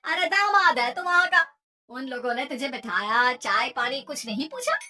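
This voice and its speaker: A woman voicing a fussy, caring mother-in-law in a cartoon, speaking with animated scolding. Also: sits high, moderate pace, exaggerated voice. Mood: worried. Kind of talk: cartoon voice acting.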